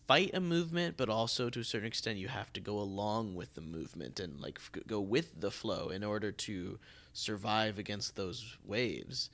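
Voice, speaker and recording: An American man hosting a casual podcast conversation, musing in a halting way as he thinks aloud. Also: fairly low pitch, vocal fry, a bit bright. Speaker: podcast host and theatre artistic director.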